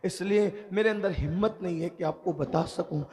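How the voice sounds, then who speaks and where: A man preaching voices a young grave robber confessing in tears, his voice dropped low and pleading. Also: moderate pace, a little mellow, lightly acted. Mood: pleading remorse. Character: weeping young male grave robber, deeply ashamed.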